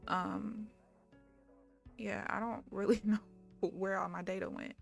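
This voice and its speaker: Faint music plays behind a young woman from Missouri as she offers casual commentary on her live trades, talking to viewers and laughing often. Her medium-pitched voice has vocal fry and fairly even intonation, and she takes it slowly.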